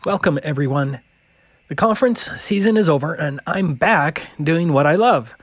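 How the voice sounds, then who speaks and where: A man's voice: fairly high pitch, expressive, normal speed, no room sound, lo-fi sound. A man delivering scripted video narration in an emphatic, declarative manner.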